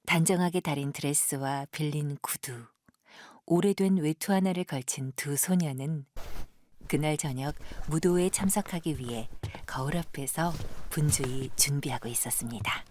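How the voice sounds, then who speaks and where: A woman narrating an audio drama like a storyteller, gentle and measured, with breathy sentence endings. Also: low voice, slight background noise. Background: music.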